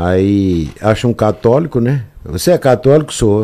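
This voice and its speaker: Dark and mellow in tone, the voice shifts in pitch in an ordinary way. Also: man. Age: 60s. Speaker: guest. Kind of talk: casual chat.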